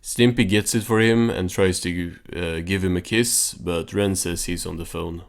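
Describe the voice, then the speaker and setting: Deep-voiced man doing casual deadpan recaps. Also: a little slow, a little hiss or hum. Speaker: cartoon recap host.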